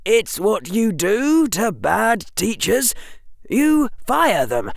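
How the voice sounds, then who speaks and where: A man's voice: sits high, very animated, slow pace, creaky, dry recording, clean studio sound, voice pushed up, full character voice. A man voicing a wry, clever young schoolboy. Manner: matter-of-fact, wry. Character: clever, dry-witted young schoolboy wizard.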